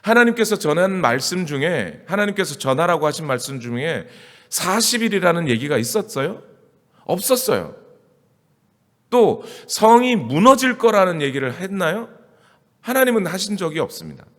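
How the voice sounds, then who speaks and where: Lively male preacher in a reverberant church. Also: sits high, moderate pace. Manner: conversational preaching with rhetorical questions to the congregation. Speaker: pastor. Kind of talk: sermon. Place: church sanctuary. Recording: church hall with long reverb.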